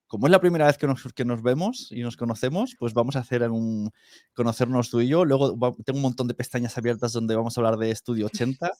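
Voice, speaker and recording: A man's voice: mid-range voice, darkish tone, no room sound, studio quality. A man hosting a podcast, talking in a casual, informal and jokey interview style. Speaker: podcast host.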